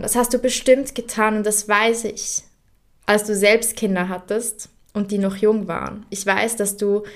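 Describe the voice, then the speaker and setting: Young woman talking to her late grandpa, soft and heartfelt, unscripted, mid-pitched, sometimes nearly whispering. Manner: soft and reflective, sometimes dropping to a near whisper. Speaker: podcast host. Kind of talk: unscripted personal monologue.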